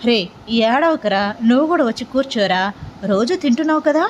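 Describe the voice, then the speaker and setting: A woman voicing a calm, sarcastic young man who needles his cousin in an audio story. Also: on the high side, normal speed, slight background noise, close to an everyday voice. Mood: fond.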